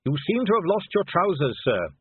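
A man's voice: high voice, sing-song, brisk, breathy edge, no echo, voice pushed up, heavily acted. A man voicing an earnest, cheerful young male watch captain in an audiobook, polite and eager. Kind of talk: audiobook character voice. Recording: dry, narrow phone-like sound.

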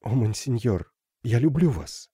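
A man voicing a shy, tender young Gypsy girl in love, speaking softly and pleadingly in a raised voice. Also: mid-range voice, animated, measured pace, no room sound, clean studio sound, voice pushed up. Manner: soft, pleading, lightly raised voice.

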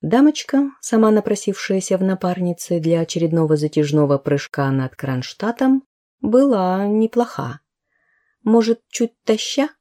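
A woman's voice: mid-range voice, sing-song, moderate pace, dark tone. Woman reading a wry story. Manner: wry, conversational storytelling with colloquial turns. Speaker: narrator.

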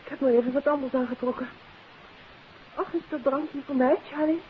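A detective's well-to-do wife played by an actress in a 1950s radio play. Her voice is high, heard through a tinny, narrow recording with clear hiss. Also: steady tone, brisk, lightly acted. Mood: light, curious. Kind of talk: 1950s radio drama acting.

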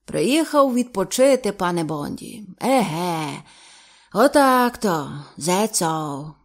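A woman voicing a stout old sea captain who speaks slowly, bluntly and jovially. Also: fairly low pitch, very animated, full character voice. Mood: hearty.

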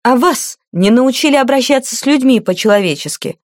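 A woman's voice: medium pitch, lively intonation, moderate pace, a little mellow, dry recording, studio quality, lightly acted. A woman reading an audiobook, voicing a fierce, protective young woman who speaks firmly and defiantly. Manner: firm, defiant.

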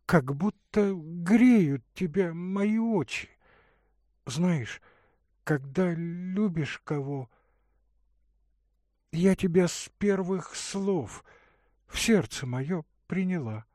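A gentle young woman tends to a sick man in a soft, singsong lilt, as a man reads her part in a high, lively voice. The delivery is unhurried, and the recording is close and dry. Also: no echo, heavily acted. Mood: tender.

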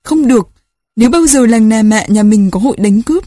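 Mellow, husky woman narrating a storybook. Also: on the high side, expressive, brisk, no echo, clean studio sound. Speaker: audiobook narrator.

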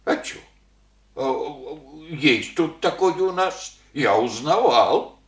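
An actor playing a humble, elderly widowed village father who speaks in halting rustic phrases full of fillers. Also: a little high, lively intonation, reverberant. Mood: rambling. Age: older. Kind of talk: archival Soviet radio play acting.

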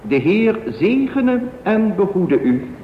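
An actor playing a solemn minister in a radio play, giving a slow, declamatory blessing to his congregation. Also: high voice, sing-song, full character voice. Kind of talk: sermon benediction in radio play. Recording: reverberant church-like hall, slightly noisy, dull.

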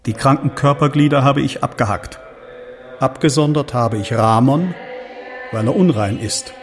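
A zealous early Christian disciple, played by a man in a radio drama. He declaims in solemn, archaic phrases, devoted and embattled. His voice sits at an ordinary middle pitch for a man. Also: normal speed, soft background music, natural voice. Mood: fervent, embattled.

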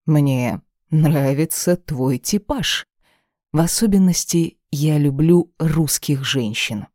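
A reader voicing a domineering, cruel male caliph who speaks slowly and menacingly in an audiobook. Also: a little high, lively intonation, darkish tone, no room sound, studio quality. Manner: menacing, slow and commanding. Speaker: desert ruler holding the heroine captive.

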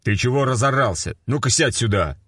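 A man voicing a fat, sleepy police sergeant who talks rough and grumbles. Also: medium pitch, expressive, fairly quick, a bit bright, dry recording, clean studio sound, voice pushed up. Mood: grumbling, rough.

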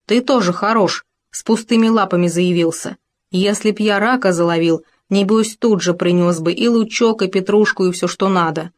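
A woman's voice: mid-range voice, normal speed, natural voice. A woman voicing a fussy, boastful young male hamster who wails and grumbles indignantly. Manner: wailing, indignant outbursts.

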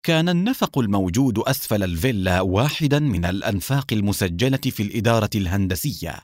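A man narrating an audiobook in an expressive storytelling manner. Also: lowish voice, fast talker, no echo.

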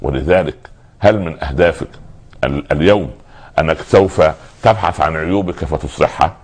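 A man's voice: extremely low pitch, fairly quick. A man preaching a sermon, pressing listeners with rhetorical questions that build in emphasis. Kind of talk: religious sermon.

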